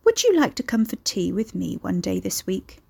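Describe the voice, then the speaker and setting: A woman's voice: medium pitch, sing-song, normal speed, creaky, a little mellow, slightly rough, exaggerated voice. A woman voicing an elderly, gossipy grandmother in an audiobook, maternal and pushy, with folksy, rambling talk. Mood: maternal, prying. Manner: folksy dialect, rambling, nosy.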